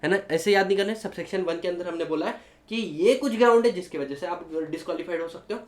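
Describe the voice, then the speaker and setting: A man with an Indian accent teaching law to a class, animated and switching between Hindi and English, often asking students if they follow. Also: high voice, quick pace, roomy sound. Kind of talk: classroom lecture.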